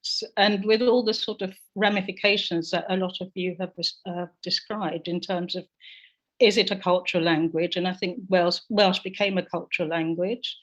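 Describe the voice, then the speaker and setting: A London woman whose first language is Jamaican speaks as a panelist in an online discussion over a video call. Her voice is on the low side, steady, and at normal speed as she reflects and shares personal stories. The audio has its highs cut off.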